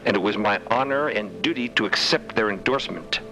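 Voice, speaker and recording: A man voicing a serene, dignified matriarch of a scholarly order in an audio drama, speaking formally, with measured reassurance. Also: lowish voice, animated, bright, forceful tone, poor audio. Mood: stately pride. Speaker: actor in a fiction podcast.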